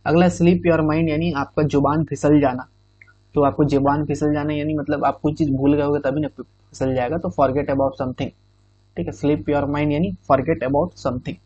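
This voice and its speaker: A man's voice: fairly high pitch, steady tone, unhurried, warm tone, breathy edge, no echo. A male exam-prep teacher explaining idioms in Hindi with English phrases, often checking in with "theek hai". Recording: dull, muffled recording.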